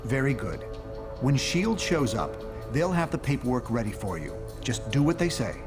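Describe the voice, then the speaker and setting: A man voices a pragmatic superhero leader from a video game. The voice is medium in pitch, controlled and matter-of-fact, like an official briefing. Music runs clearly behind it. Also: very animated, moderate pace, natural voice. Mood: measured. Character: measured, pragmatic genius male superhero leader. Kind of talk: video game cutscene dialogue.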